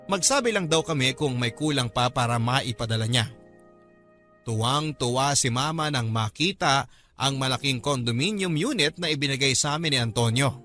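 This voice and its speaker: Bright-voiced male drama narrator. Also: medium pitch. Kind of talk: scripted first-person story narration.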